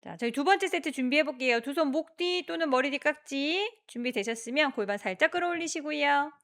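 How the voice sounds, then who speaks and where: A woman exercise instructor guiding a workout, giving encouraging cues and counting reps aloud in a steady rhythm. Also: high voice, a little fast.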